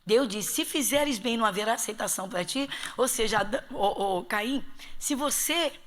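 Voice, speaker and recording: A woman's voice: on the high side, normal speed. A woman pastor from Rio de Janeiro teaching a Bible study class, with an emphatic style full of rhetorical questions to her listeners. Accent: Rio de Janeiro Portuguese. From Brazil.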